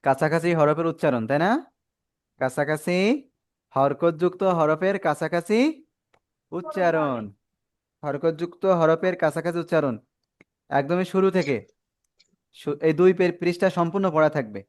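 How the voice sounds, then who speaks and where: A man's voice: a little high, moderate pace, pauses often. A man teaching a Quran reading class to children over a video call, patiently prompting pupils and praising their answers. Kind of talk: online class instruction.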